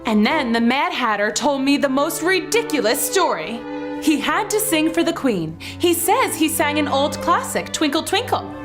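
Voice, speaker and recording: A woman tells a children's story as its girlish heroine. Her voice is high and perky, swinging in pitch with exaggerated expression, with music clearly underneath. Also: sing-song, normal speed. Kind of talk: animated first-person storybook narration, playing a young girl.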